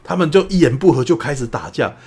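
Fast-talking man laughing through a movie rant. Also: a little high, big pitch swings, darkish tone, slightly rough. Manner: rambling, laughing, peppered with mild swearing and "you know?". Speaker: podcast co-host. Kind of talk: casual movie review chat.

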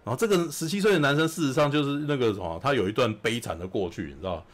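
A man with a Taiwanese Mandarin accent, hosting a podcast and telling a film's story in an animated, chatty way, often asking "you know?". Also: mid-range voice, racing. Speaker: podcast host. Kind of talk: casual film recap chat.

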